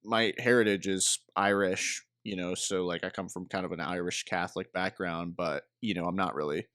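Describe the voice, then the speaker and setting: Low-voiced young man thinking aloud. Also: fairly even intonation, normal speed, a bit bright, no echo, clean studio sound. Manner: thinking aloud, loose and tentative. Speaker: podcast co-host. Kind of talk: casual chat.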